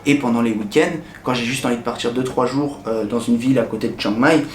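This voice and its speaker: A young French man in a casual vlog, chatting directly to the viewer in a relaxed way with many hesitations. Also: medium pitch, fast talker. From France. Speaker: vlogger. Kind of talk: casual talk to camera. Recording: echoey room with faint ambient noise.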